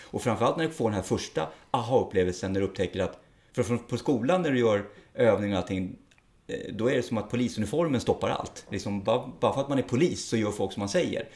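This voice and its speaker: A man's voice: on the low side, lively intonation, a little mellow. Frank, plain-spoken middle-aged policeman. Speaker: police officer. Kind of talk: interview conversation.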